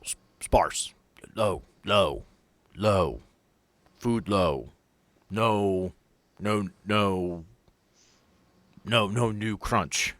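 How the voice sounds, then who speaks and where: A man acts out a ghoul father from a tabletop horror game, friendly but monstrous. He speaks low and haltingly, in broken single words as he gropes for language. The sound is close and dry. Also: a bit bright, no room sound. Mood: halting, searching.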